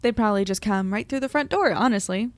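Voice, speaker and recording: A woman's voice: medium pitch, quick pace, no echo, lightly acted. A woman in her twenties playing an anxious, wry young reporter rambling into an audio diary in a casual, self-deprecating way. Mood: wry, uneasy. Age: 20s. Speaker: narrator and lead character. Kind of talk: audio drama diary monologue, casual and conversational.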